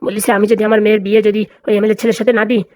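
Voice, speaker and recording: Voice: medium pitch, level tone, very fast, a little mellow, no echo, lightly acted. A performer voicing an anxious, complaining older male tutor in a comedy cartoon, with a fretful, grumbling manner. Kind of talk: comic cartoon dialogue.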